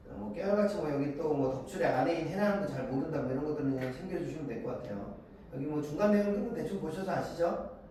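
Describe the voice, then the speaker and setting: A man's voice: fairly high pitch, a little mellow. A man in his forties teaches a literature class from the front of a big classroom, his voice rising and falling a lot as he talks. He keeps asking students to agree and acts out bits of dialogue. The sound is very echoey and distant, with a faint hiss underneath. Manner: acts out the lines of characters and students in quick voices. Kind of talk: classroom lecture.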